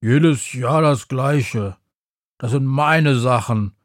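A man voicing a huge, sulky shadow creature who grumbles in a slow drawl. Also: mid-range voice, no echo, studio quality.

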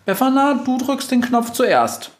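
Man voicing a squeaky cartoon mouse, shrill, excitable, very high, storybook. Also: a little slow, echoey room, heavily acted. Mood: indignant. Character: squeaky frightened little female mouse.

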